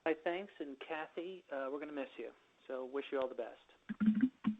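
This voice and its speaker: A man's voice: on the high side, expressive, normal speed, a little hiss or hum. A man analyst asking questions on an earnings call in a friendly, casual way. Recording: tinny phone line.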